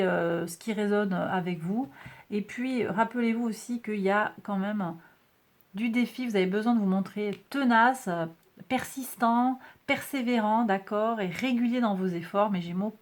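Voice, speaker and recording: A woman's voice: medium pitch, a little mellow. A woman reading tarot cards and astrology for her viewers in a casual, reassuring way, often tagging her sentences with little checks to her audience. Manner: chatty, reassuring, peppered with "hein" and "d'accord"; addresses viewers directly as a group. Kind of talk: casual card-reading monthly forecast.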